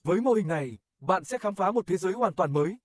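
A man's voice: high-pitched, animated, quick pace, no echo, studio quality. A man reading scripted promotional narration as an advertisement narrator.

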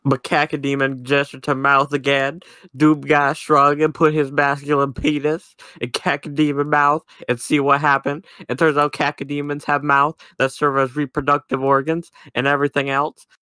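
A man reads an absurd fan fiction aloud in a deadpan narrating tone. His voice is bright and crisp, with a clean, dry sound close to the mic. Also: on the high side, normal speed, no room sound. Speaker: podcast co-host reading aloud. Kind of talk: comedic reading of fan fiction.

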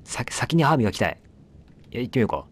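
A man's voice: mid-range voice, very animated, fast, slightly rough. A man giving casual let's play commentary, chatting to the game and its characters as he plays. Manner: chatty, talks back at the game, apologizes for noise.

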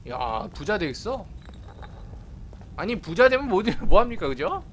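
A game streamer plays a horror game for a Let's Play, greeting his viewers, chatting with them, and excitedly yelping and shouting at sudden attacks. His voice is high and a little slow. There's slight background noise.

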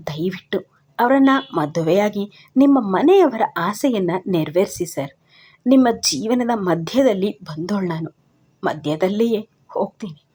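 A woman voicing a shy, hurt young woman who answers in hushed, half-whispered tones in an audio story. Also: medium pitch, breathy edge.

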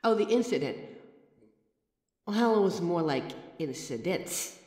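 A man's voice: high-pitched, animated, a little slow, darkish tone. A man voicing a person's own mirror reflection, a sentient being of light, who explains things patiently to the listener with chatty, wry asides. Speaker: audio roleplay voice actor. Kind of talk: scripted audio roleplay addressed to the listener. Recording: echoey room with long reverb.

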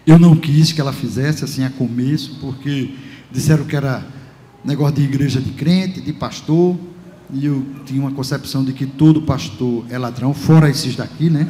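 Speaking with a Brazilian Portuguese accent, a pastor gives a lively personal testimony in a large church, his mid-range voice moving at a moderate pace. He tells the story vividly, acts out the dialogue and chuckles often, with the reverberant hall and faint ambience audible around him.

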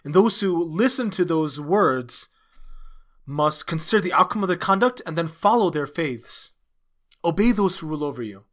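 Male sermon interpreter, slightly high-pitched, halting phrase-by-phrase preaching delivery. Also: animated, a bit bright. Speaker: interpreter dubbing a pastor's sermon.

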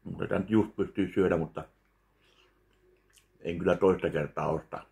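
A man in his thirties giving a slow, deadpan review of a meal while eating at home in his kitchen. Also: low-pitched, vocal fry. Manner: slow, deadpan, pauses between bites. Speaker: food vlogger. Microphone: webcam at close range.

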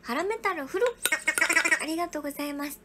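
High-voiced young woman, soft and whispery. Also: fast talker, heavy background noise. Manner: soft, often whispery, thanking viewers one by one. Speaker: livestream host. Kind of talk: casual livestream chat reading viewer gifts.

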